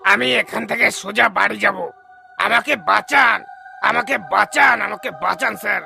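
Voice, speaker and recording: A frightened young cartoon villager, high and gravelly, shouting in panic, as a man acts him out. Music plays clearly behind him. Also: normal speed, full character voice. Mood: terrified.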